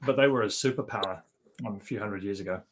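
A man's voice: lowish voice, fast, slight background noise. A man on a panel, an actor telling easygoing stories from a film shoot with frequent chuckles. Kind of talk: anecdotal panel storytelling.

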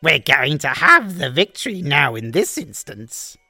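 A woman putting on a scheming male villain in a rhyming holiday storybook, sly and gleeful, his voice leaping wildly up and down in pitch at a slow, deliberate pace. He sounds dry and close, with faint music underneath. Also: very animated, bright, forceful tone, slightly rough, no echo, full character voice. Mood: gloating.

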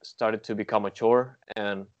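Smooth-voiced young man from Venezuela. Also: fairly low pitch, fairly even intonation, a little slow, muffled recording. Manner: easygoing, many "like" and "uh" fillers. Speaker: podcast guest. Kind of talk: casual interview.

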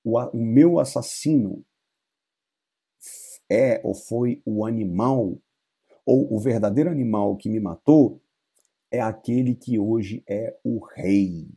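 A man's voice: fairly low pitch, slow, pauses often, warm tone, slightly rough. A man with a Brazilian accent teaching English through a story, chatty and explaining word by word with asides. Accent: Brazilian Portuguese. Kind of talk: casual bilingual literature lesson.

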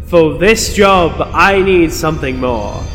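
A man playing a theatrical, hesitant wizard in an audio pantomime, with dramatic pauses. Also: fairly high pitch. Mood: musing, theatrical. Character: Merlin, theatrical male wizard, hesitant and scheming. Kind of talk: pantomime radio acting. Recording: long hall reverb, music underneath.

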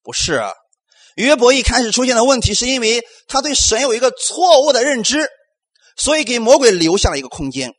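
A man preaching a sermon as pastor, animated and lively, acting out the voices of people he quotes. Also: very high-pitched, a little fast.

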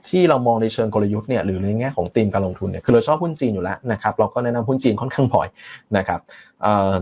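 ผู้ชายเสียงต่ำแหบเล็กน้อย อธิบายการลงทุน. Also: male voice, lowish voice, darkish tone, slightly rough. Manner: measured, many fillers and polite particles. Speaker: fund presenter. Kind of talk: investment explainer talk.

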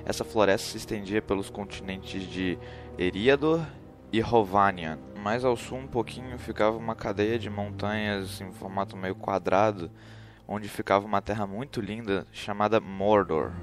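A man's voice: on the low side, normal speed. A man narrating a humorous explainer in a casual, joking, slangy way. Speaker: host. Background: background music.

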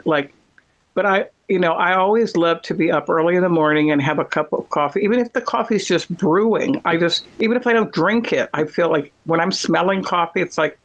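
Rambling chatty man, slightly high voice. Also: fairly bright tone, dull audio. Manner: rambling, chatty, many fillers. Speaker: conversation partner. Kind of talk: casual chat.

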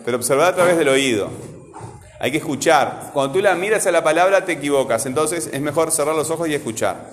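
A man teaching a class, patiently repeating words slowly and questioning his students. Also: a little high, animated. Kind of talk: classroom lesson. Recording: echoey classroom. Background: classroom ambience.

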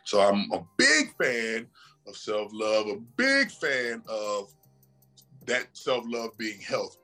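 A man's voice: on the low side, bright, forceful tone, breathy edge. A man talking as a podcast guest, preachy and emphatic, often repeating himself and asking "right?". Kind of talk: casual motivational talk.

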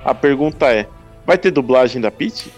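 A man's voice: medium pitch, lively intonation, normal speed, soft background music. A Brazilian man in a casual podcast chat, talking hesitantly with many restarts and casual slang. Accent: Brazilian Portuguese.

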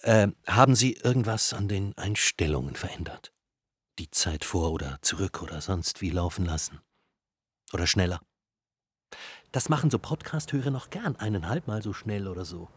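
An actor playing a skeptical, easily irritated hiker in an audio drama, speaking in a dry, blunt manner. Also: male voice, deep voice, lively intonation, normal speed, breathy edge, no echo, heavily acted. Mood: hesitant, probing. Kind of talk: scripted audio drama dialogue.

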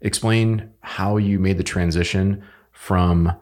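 A man's voice: low-pitched, fairly even intonation, slow pace, a little mellow. A man interviewing a guest, asking rambling questions that restart as he goes.

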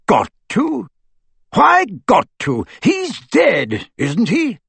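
A man voicing a gruff, bitter old wizard in a storybook, speaking roughly and tersely with scorn. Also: sits high, very animated, a little slow, no room sound, pitched above the performer's own voice, full character voice. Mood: harsh, urgent.

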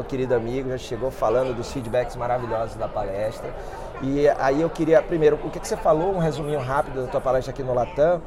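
A man hosting a podcast interview, talking in a chatty, informal way with restarts. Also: medium pitch. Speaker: podcast host. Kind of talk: casual interview. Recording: crowd noise behind.

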